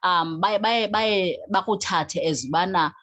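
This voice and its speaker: A woman's voice: on the low side, measured pace, a bit bright, no room sound. A woman with a South African Xhosa accent speaking as an interview guest, switching between languages. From South Africa, Eastern Cape. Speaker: guest, founder of a youth organization. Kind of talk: interview talk, mixing languages.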